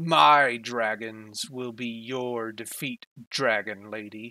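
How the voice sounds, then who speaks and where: Using a put-on character voice, a man speaks at a very slow pace in a medium pitch. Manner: menacing.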